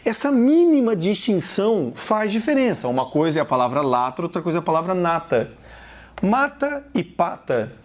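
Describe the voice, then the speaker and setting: A man with a Brazilian Portuguese accent teaching a recorded video lesson, talking straight to the viewer and repeating example words slowly. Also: high-pitched, animated, darkish tone.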